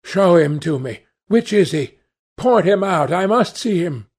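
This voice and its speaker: A man's voice: on the high side, lively intonation, unhurried, darkish tone. A man voicing a sullen sixteen-year-old boy, blunt and intense as he warns his sister. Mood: urgent.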